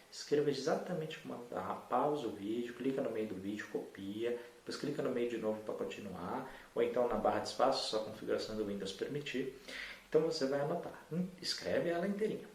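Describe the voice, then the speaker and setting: A man's voice: mid-range voice, lively intonation, fairly quick, vocal fry, a little mellow. A man teaching an adult literacy lesson, patient and encouraging, talking straight to the learner. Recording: echoey room, distant mic, faint hiss.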